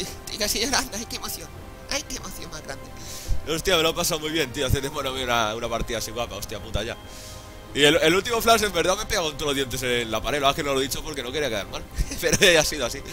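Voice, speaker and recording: A young man from Spain with a Spanish accent, commentating his own game excitedly, swearing and laughing often. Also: mid-range voice. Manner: excitable, profane, laughs often, calls viewers "sobrinillos". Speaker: gaming YouTuber.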